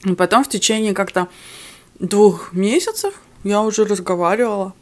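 A young woman, not a native Russian speaker, chats casually between bites for a mukbang video, filmed indoors in her living room by a camera on the table in front of her. She speaks at normal speed with a medium-pitched voice.

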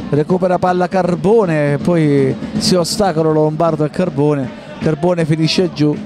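Higher-pitched male football commentator. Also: fairly even intonation, measured pace, music in the background. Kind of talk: live play-by-play commentary.

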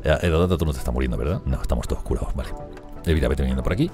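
Fast, excitable man, very deep. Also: music in the background. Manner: fast, excitable, swears and laughs often. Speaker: gameplay streamer. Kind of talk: live strategy game commentary.

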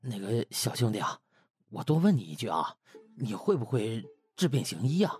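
A man's voice: mid-range voice, big pitch swings, normal speed, darkish tone, slightly rough, soft background music. A man voicing a desperate, pushy butler in an audiobook, stammering and pleading in colloquial speech. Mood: hopeful, probing. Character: anxious, desperate, pushy male household butler.

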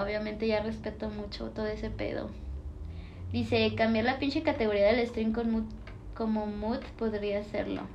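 Young Mexican woman, high bright voice, playful slangy livestream chatter. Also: a little hiss or hum. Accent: Mexican Spanish. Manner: slangy, playful, laughs often. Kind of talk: casual livestream chat reading comments.

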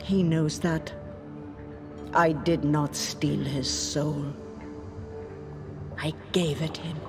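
Slow, haunting lake spirit over music. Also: female voice, low-pitched, steady tone, full character voice. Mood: solemn, proud. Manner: slow, deliberate, lyrical storytelling. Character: ancient female lake spirit, feared, haunting, proudly otherworldly. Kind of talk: audio drama monologue.

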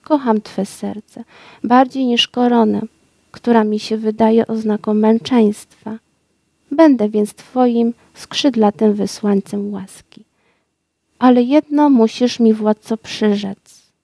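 A woman voicing a small, wise and kind male nightingale in a storybook reading, speaking softly and tenderly. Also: fairly high pitch, slow pace, vocal fry, no room sound, full character voice.

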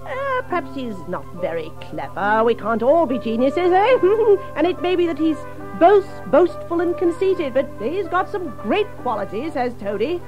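An actor playing a kindly, sensible gentleman water rat, affable and chuckling, in a children's audio drama. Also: extremely high pitch, very animated, measured pace, few pauses, dull audio, over music, heavily acted. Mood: fond, amused.

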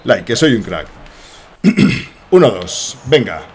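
A young man from Spain with a Spanish accent, giving rambling, excitable commentary while playing a soccer game and swearing often. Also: on the low side, slow, a little hiss or hum. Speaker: gaming streamer.

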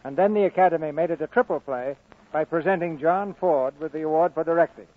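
High-pitched 1940s radio host, tinny vintage sound. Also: male voice, quick pace. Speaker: radio theatre host and announcer. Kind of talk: 1940s scripted radio announcing. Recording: muffled narrowband vintage radio broadcast.

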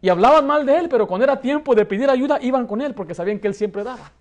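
A man in his thirties who grew up in the United States, preaching a lively sermon from a pulpit with a Mexican Spanish accent. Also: extremely high pitch, quick pace. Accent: Mexican Spanish, learned in the United States. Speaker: pastor. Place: church hall, plain indoor room.

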